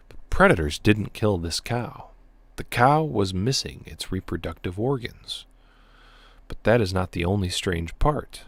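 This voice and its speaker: A man's voice: no room sound, full character voice. A man voicing a worried middle-aged male rancher phoning the police, with an exaggerated Mexican accent and an urgent, pleading manner. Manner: pleading, urgent, loud and high.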